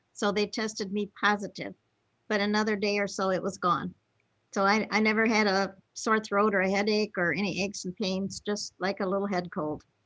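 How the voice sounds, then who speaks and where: A woman with an American accent talks at a moderate pace in a monotone, flat intonation. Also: medium pitch for a woman, quiet background. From US Midwest, Michigan. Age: 80s+. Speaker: nutrition product seller. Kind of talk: interview.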